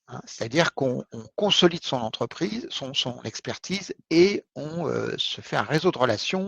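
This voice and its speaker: A man speaks at a fairly slow pace with hardly any pauses and big swings in loudness. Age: 60s. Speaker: training expert and consultant. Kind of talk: webinar presentation. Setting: online webinar. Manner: halting, many hesitations.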